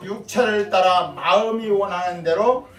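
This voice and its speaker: An older man preaching as pastor, lively, quizzing the children and calling on them by name. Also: high voice, a little slow. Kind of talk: sermon. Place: church sanctuary. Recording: echoey room from far off.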